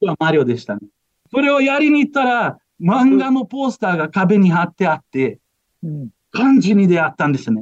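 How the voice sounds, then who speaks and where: A man speaks at a moderate pace in a high voice with very wide pitch swings. The sound is dry and close, with no echo. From Brazil. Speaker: school principal. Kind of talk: interview.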